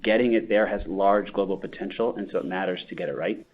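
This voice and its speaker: A man speaking in measured, careful corporate phrasing as an executive on a conference call, with dull sound. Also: low voice. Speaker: company executive. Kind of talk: corporate earnings call answer.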